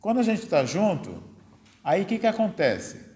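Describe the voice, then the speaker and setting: A man's voice: sits high, wildly swooping pitch, moderate pace, a little mellow. A man with a Brazilian Portuguese accent giving a spiritist lecture to an audience, talking conversationally, tagging his sentences with little questions and posing rhetorical ones. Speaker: lecturer at a spiritist study center. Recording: echoey hall with long reverb.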